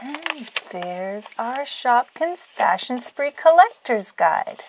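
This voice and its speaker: A woman's voice: a little high, sing-song, slow pace, noisy background. A woman hosting a toy unboxing for children, narrating playfully in a gushing, exclamatory, sing-song way. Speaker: toy unboxing video host.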